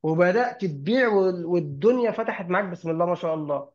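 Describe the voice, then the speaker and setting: An Egyptian man speaks as a guest in an online meeting with a high, quick voice. He lays out numbered advice and throws in rhetorical questions. The video call audio is dull and lo-fi. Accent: Egyptian Arabic. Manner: animated, lists numbered tips and asks rhetorical questions. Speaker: sales consultant guest.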